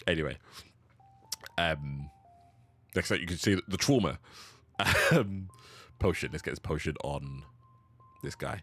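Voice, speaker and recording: Over music in the background, a man with a very deep, low pitch talks at a moderate pace with long, frequent pauses. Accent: British. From UK, London. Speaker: gaming streamer. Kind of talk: live game stream chat. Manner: casual, chatty.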